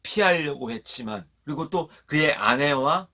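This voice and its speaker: Guy preaching to kids, bright punchy voice, asks them stuff, makes them repeat after him. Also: a little high, measured pace. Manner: animated storyteller. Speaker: children's pastor. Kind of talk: children's sermon, Bible storytelling.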